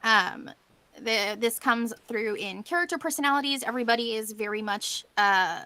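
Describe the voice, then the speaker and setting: A woman's voice: on the high side, expressive, normal speed, sharp tone, no echo. A woman giving an informal conference presentation as a panelist, explaining things in a conversational way.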